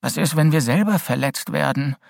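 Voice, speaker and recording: A man's voice: a little high, normal speed, creaky, no room sound, studio quality, pitched above the performer's own voice. A man voicing a cautious, worried teenage boy who speaks hesitantly and uneasily. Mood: uneasy.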